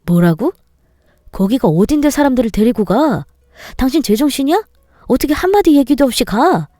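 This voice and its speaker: A woman's voice: high-pitched, expressive, normal speed, mellow, no echo, studio quality, voice pushed up. A woman voicing an angry young husband who scolds his wife with indignant scorn. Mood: outraged.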